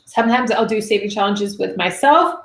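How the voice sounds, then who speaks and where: A woman in her thirties chats loosely through a livestream, with plenty of fillers, and her voice is getting raspy. There's a gravelly fry under her mid-pitched talk, and the room gives back a noticeable echo. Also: brisk. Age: 30s. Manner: chatty, reads viewer comments, many fillers. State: voice going raspy. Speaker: livestream host answering money questions. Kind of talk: casual livestream chat. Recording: roomy echo.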